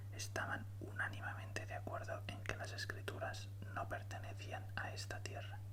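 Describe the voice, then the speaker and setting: Monotone, flat intonation from a fairly low-pitched man, with noticeable background noise. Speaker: ASMR content creator. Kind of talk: horror story reading aloud. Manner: slow, measured, whispered.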